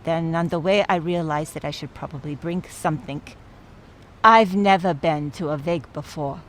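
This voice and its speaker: A woman's voice: low-pitched, moderate pace, close to an everyday voice. An actress playing an earnest, apologetic Jewish woman at a wake in a radio play, hesitant and easily exasperated. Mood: flustered, apologetic.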